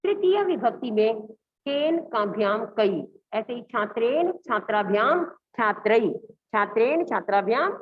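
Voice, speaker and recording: A woman's voice: on the high side, animated, unhurried. A woman teacher giving a recorded lesson, fondly calling her pupils "beta" and reciting word forms one by one for them to repeat. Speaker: school Sanskrit teacher. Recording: dull lo-fi recording.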